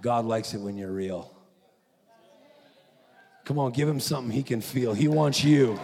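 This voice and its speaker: A man preaching at a conference, telling a story with animated, acted-out quotes. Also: mid-range voice, unhurried, vocal fry, crowd noise. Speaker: conference speaker. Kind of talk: preaching sermon. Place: large conference hall. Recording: echoey hall.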